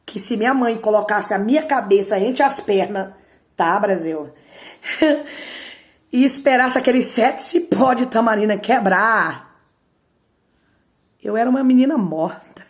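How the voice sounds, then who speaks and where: A woman's voice: mid-range voice, darkish tone. A woman giving an emotional spoken testimony and speaking straight to her audience. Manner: emotional, repeatedly addresses the audience directly.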